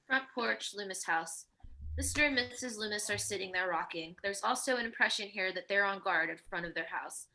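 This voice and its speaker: A woman's voice: mid-range voice, a little fast, bright, forceful tone. A woman narrating a screenplay, reading stage directions in a scripted table-read style.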